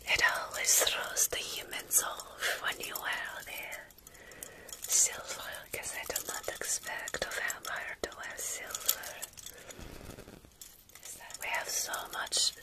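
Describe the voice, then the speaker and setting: A woman in her thirties playing a motherly, protective vampire mentor in a soothing, breathy whispered ASMR roleplay, with formal phrasing. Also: natural voice. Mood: soothing, reassuring.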